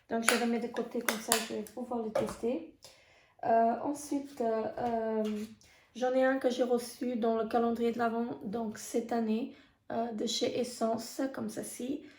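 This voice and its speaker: A woman with a hoarse voice giving a casual beauty product review, talking in a halting way full of hesitations. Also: fairly high pitch, steady tone, darkish tone. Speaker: beauty vlogger. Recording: echoey room.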